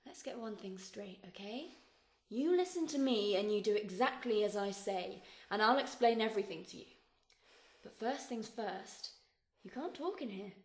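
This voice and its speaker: A woman playing a menacing hushed guide. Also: a little high. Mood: commanding. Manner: hushed, commanding, teasing threats. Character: mysterious menacing female guide in a hellish place. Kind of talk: horror audio play acting. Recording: very echoey binaural recording.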